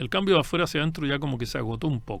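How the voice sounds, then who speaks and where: A man talks with ordinary pitch variation. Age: 60s. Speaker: guest speaker. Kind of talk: radio interview.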